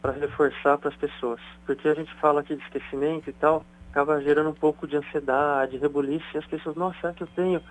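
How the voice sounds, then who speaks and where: A man's voice: on the high side, level tone, fast, few pauses, low-quality recording. A man, a doctor, explaining things in a chatty radio interview. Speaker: neurosurgeon guest.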